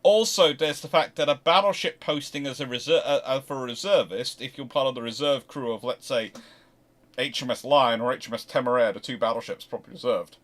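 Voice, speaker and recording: A man with a bright, forward voice talks through his points in an unscripted expert discussion. He often stops, doubles back and restarts a phrase before carrying on. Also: mid-range voice. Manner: halting, repeats and restarts phrases. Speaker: naval history discussion panellist.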